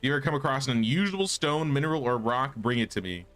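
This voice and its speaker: A man's voice: mid-range voice, lively intonation, fast talker, fairly bright tone, lightly acted. A man voicing an earnest, dreamy village boy who is obsessed with stones, reading game quest dialogue. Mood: eager.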